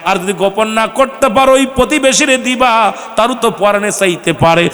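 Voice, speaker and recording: A man's voice: high voice, expressive, a little fast, a bit bright, long reverb tail. A man preaching an Islamic sermon with a Bangladeshi Bengali accent, in a sing-song cadence that rises to fervent calls.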